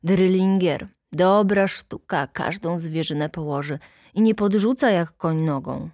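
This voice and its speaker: A boastful, slightly drunk small-town official, bluff and persuasive, as a woman narrator puts him on. He talks in a low voice, recorded dry and close. It is an audiobook reading. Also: a little slow, darkish tone, no echo. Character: boastful tipsy male local official.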